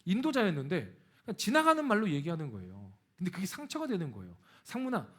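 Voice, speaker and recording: A man's voice: high voice, fast talker. A middle-aged man preaching a sermon as a pastor, telling a personal story and acting out the quoted lines. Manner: animated, acts out quoted dialogue. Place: church sanctuary.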